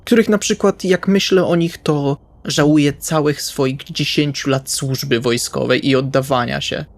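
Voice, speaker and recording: A man's voice: on the high side, fairly even intonation, normal speed, creaky, no echo. A man playing a blunt, jaded but protective ex-military vampire who swears, in an improvised roleplay audio drama. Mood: bitter.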